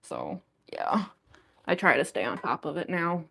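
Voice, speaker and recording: A young woman with a gruff voice that is going hoarse, chatting casually with viewers on a livestream in a rambling way full of fillers. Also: low voice, wildly swooping pitch, a little slow, a bit bright. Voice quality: gruff, smoker-like voice. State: losing her voice. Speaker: livestream artist. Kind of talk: casual chat with stream viewers.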